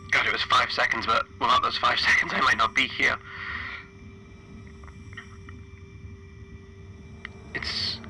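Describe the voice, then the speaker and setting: A stranded spaceship engineer, acted by a man, weary and grieving as he records a horror game log. His voice is very bright and tense, with a flat, narrow pitch. He speaks haltingly, leaving heavy pauses, over a faintly noisy radio-like recording. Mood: grieving, despairing. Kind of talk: in-character audio log for a solo horror tabletop game.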